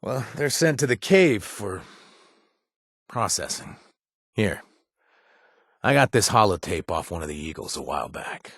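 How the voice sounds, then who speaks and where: An actor voicing an easygoing, money-minded bartender ally in a video game, chatty, with lots of little chuckles and filler words. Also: male voice, fairly low pitch, big pitch swings, unhurried, long pauses, a bit bright, breathy edge, no room sound, clean studio sound, full character voice. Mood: earnest. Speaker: game companion character. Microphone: close studio mic, dry.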